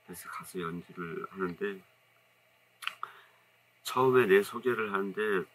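Seated in a two-shot before a studio curtain, this man in his fifties, a saxophonist from Jecheon, North Chungcheong, Korea, shares stories in a casual interview. He rambles in a relaxed, modest way with a strong local Jecheon accent. His voice sits low and a little slow, and the off-camera mic gives poor audio with slight background noise.

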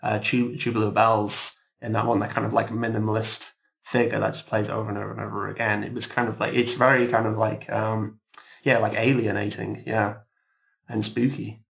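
A man gives casual interview answers in a fairly low voice with a lot of vocal fry. He sounds modest and halting, thinking aloud as he goes. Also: little pitch movement, a bit bright. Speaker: composer guest.

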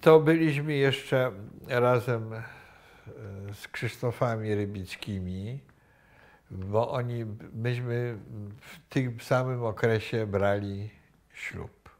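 Older man, slow pace, halting reflective talk, lapel mic indoors. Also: mid-range voice, steady tone. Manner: slow, halting, many pauses and restarts. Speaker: interviewee. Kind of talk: reflective recollection. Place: indoor room with wooden cabinets.

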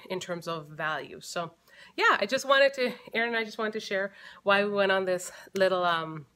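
A woman's voice: medium pitch, moderate pace, pushed and bright. A woman in her thirties chatting casually to camera in her living room, thinking aloud with fillers and restarts. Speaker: family vlogger. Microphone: camera close in front.

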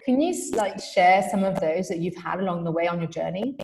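A woman's voice: lowish voice, animated, brisk, darkish tone. A woman presenter interviewing a guest over a video call, encouraging and brief in her reactions. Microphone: earphone mic on a video call. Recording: echoey roomy video-call sound.

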